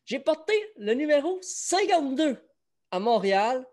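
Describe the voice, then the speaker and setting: A man's voice: extremely high pitch, big pitch swings, a little slow, darkish tone. A man with a Quebec French accent, hosting a casual sports chat show and running a trivia quiz. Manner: chatty, runs a trivia quiz. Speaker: host.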